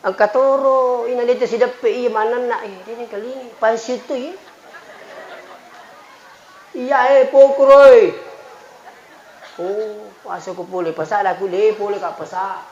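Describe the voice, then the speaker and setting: A man's voice: very high voice, fairly even intonation, measured pace, pauses often, darkish tone. A man in his forties with a Bugis accent preaching a humorous, folksy Muslim sermon, bantering and repeating phrases to his listeners. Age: 40s. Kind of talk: humorous sermon mixing two languages. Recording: echoey, dull PA sound with crowd noise. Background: crowd murmur and light noise.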